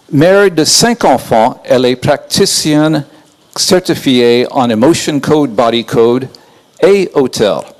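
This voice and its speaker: Over noticeable background noise, a man with an American accent talks very slowly, his pitch swinging very widely. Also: long, frequent pauses. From United States. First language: English (speaking French). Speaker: moderator. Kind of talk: event moderation. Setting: hall with audience, streamed on Zoom. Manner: halting.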